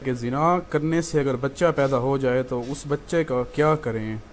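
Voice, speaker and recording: A man's voice: medium pitch, normal speed, slight background noise. Man reading out listener questions.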